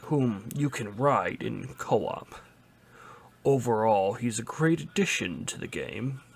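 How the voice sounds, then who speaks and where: A man reading a written article aloud as a host, in an exaggerated, mock-serious theatrical delivery. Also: mid-range voice.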